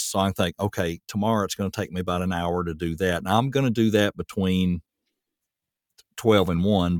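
A deep-voiced man hosts a podcast, rambling in a relaxed, casual way packed with filler words. The recording is dry and studio-clean.

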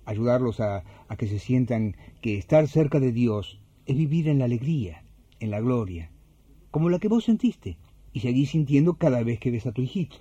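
A man acting an earnest, devout parish volunteer in a radio drama, speaking measured Rioplatense Spanish. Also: mid-range voice, animated, dark tone, slightly rough, no room sound, muffled recording. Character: kind, faith-filled young parish volunteer helping pilgrims. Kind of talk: radio drama with scripture narration.

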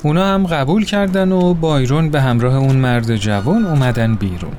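A man narrating a story in an expressive, acted-out way. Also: mid-range voice, a little hiss or hum. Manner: expressive, voices characters.

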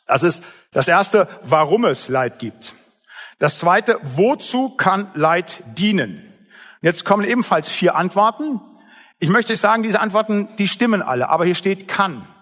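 A man's voice: sits high, expressive, a little slow, fairly bright tone, in a large hall. A man preaching a sermon as pastor, emphatic and blunt, with plain everyday asides.

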